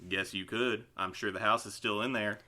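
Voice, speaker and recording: Man playing a grumpy, sardonic local, lowish voice. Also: steady tone, normal speed, bright, forceful tone, slight background noise. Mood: grumpy, mocking. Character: grumpy, mocking male resident, unhelpful and dry. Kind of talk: audio drama acting.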